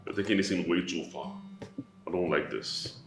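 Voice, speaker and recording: A man's voice: deep voice, normal speed, roomy sound, over music. An actor playing a grown married son who defends his wife to his mother. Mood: pleading. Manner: pleading, defensive.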